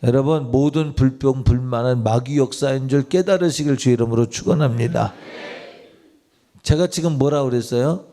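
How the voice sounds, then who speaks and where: A man's voice: medium pitch, moderate pace, dark tone. A man, a pastor, preaching a sermon in a church, with a conversational style and direct questions put to listeners. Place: church sanctuary.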